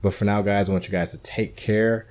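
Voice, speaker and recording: Very deep-voiced man, casual game commentary. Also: little pitch movement, a little mellow. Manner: informal, halting, thinking aloud. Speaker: gaming video host.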